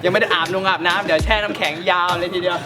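A man's voice: sits high, fairly even intonation, rapid-fire. A man co-hosting a vlog in casual, playful banter. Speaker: vlog host. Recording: loud music over the voice. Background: loud music.

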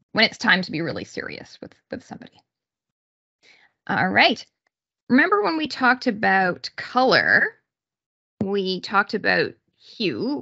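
Woman lecturing with lively, swooping pitch. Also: gravelly, dull audio. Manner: halting, pausing mid-sentence. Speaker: university psychology lecturer. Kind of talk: online lecture, explanatory. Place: small room indoors, on a video call.

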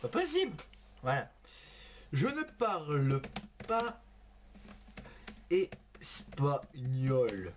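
A man talks into a desk mic at his home computer, laughing and crying out as he chats with a bot. His pitch jumps around a lot while his pace stays slow and drawn out. Faint typing clicks sit under his voice. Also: very animated, a bit bright, a little hiss or hum. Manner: giggly, exclaiming, talking to a chatbot. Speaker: gaming video host. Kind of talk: casual gaming commentary.

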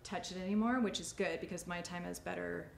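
A woman's voice: on the low side, steady tone, fairly quick, vocal fry. A woman in her forties, a salon owner, talking casually and chattily as she teaches during a demonstration. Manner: chatty, informal. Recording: echoey studio room, faint ambient noise.

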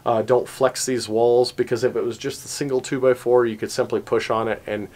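A man's voice: mid-range voice, brisk. Man, 40s, homestead vlogger. Easygoing, chatty walkthrough with fillers and light laughs, recorded outdoors in an open shelter. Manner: relaxed and chatty, lots of ums and little laughs, pointing things out. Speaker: homesteading channel host. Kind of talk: casual walkthrough vlog. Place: outdoors in an open-sided metal livestock shelter.

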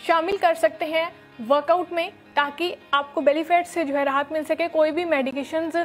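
High-voiced young woman teaching yoga. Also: moderate pace, soft background music. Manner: calm step-by-step instructions with frequent fillers. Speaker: yoga instructor. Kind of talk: instructional yoga demonstration. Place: studio with red floor and dark curtains.

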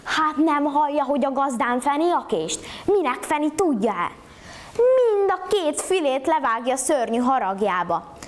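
A woman's voice: high-pitched, lively intonation, voice pushed up. A woman voicing a sly, greedy young maid in a folk tale, pleading urgently.

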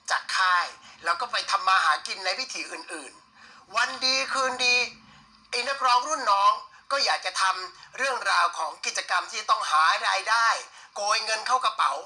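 A man presenting a story in a broadcast style, delivering it deliberately in short, pointed phrases. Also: sits high, sharp tone.

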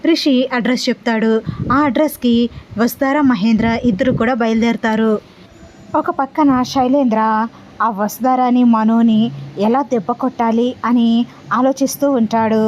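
A woman's voice: fairly high pitch, fairly even intonation, moderate pace, darkish tone, slight background noise, low-quality recording. A woman narrating a story recap of a television serial in plain storytelling style.

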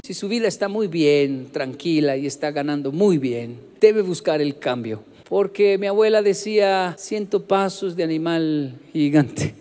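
A man's voice: fairly high pitch, lively intonation, unhurried, few pauses, mellow. A man giving a motivational talk to an audience, telling stories and acting out the voices of the people in them. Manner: storytelling, acts out voices in anecdotes, asks "¿sabe?". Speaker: motivational speaker.

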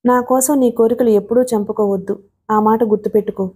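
A woman reading the lines of a devoted young husband, gentle and quietly pleading. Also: fairly high pitch, fairly even intonation, brisk, breathy edge. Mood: tender.

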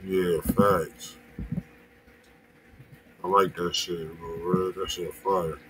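A man's voice: deep voice, flat delivery, drawn-out words, low-quality recording. A man with an American accent co-hosting a music review stream in casual, slangy talk. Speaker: co-host of music review show. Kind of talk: casual livestream chat, slangy. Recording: loud background noise.

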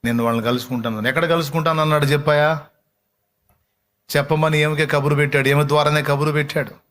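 A male pastor preaching an impassioned sermon that swells into near-shouting. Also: a little high, fairly even intonation, fast talker.

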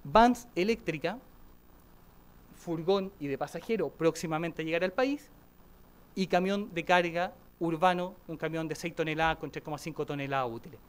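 A man giving a conference presentation at a podium, listing vehicles in a brisk way. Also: a little high, smooth. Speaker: conference speaker, vehicle company.

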